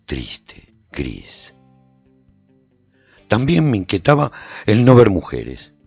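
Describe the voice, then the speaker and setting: A man playing a bewildered, uneasy apocalypse survivor in a radio serial, narrating in a theatrical, brooding manner with a gravelly, husky voice. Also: extremely low pitch, no room sound, muffled recording, heavily acted. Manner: theatrical, brooding, with rhetorical questions. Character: bewildered, uneasy male survivor of an apocalypse, recounting his escape. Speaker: narrator and radio program host within the serial. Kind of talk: dramatic first-person radio serial narration.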